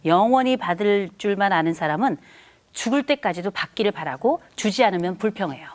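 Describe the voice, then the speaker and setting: Animated middle-aged woman lecturing. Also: medium pitch. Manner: animated, acts out quoted speech, chatty asides; slows down for key maxims. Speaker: family counseling lecturer. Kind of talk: lively lecture to an audience.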